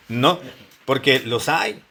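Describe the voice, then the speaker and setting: A man's voice: mid-range voice, vocal fry, sharp tone. A man teaching a Bible lesson to married couples, conversational, repeating himself and asking the congregation questions. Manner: conversational preaching with questions to the congregation and frequent repetitions. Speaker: pastor teaching a Bible study.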